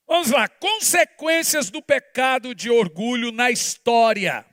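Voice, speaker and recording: Pastor guy preaching hard, really high voice, loud then quiet, dry sound. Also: measured pace, dry recording. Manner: emphatic preaching that swings between shouts and hushed asides. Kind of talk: sermon.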